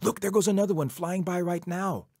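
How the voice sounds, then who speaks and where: A man's voice: sits high, a little fast, a little mellow, no room sound, studio quality, voice pushed up. A man voicing a vain, scheming trickster coyote from a folktale, whining and pleading with a stammer. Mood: sly boasting.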